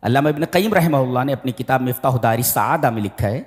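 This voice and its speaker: A man giving a Quran commentary lecture, chanting Arabic verses slowly and breaking into sudden emphatic high bursts. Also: animated, big-room sound.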